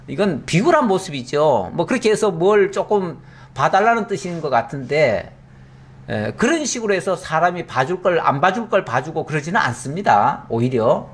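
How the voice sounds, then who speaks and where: Male pastor, middle-aged, sermon exposition; high, very expressive voice that acts out the lines. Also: breathy edge. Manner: animated storytelling, acts out the characters' lines.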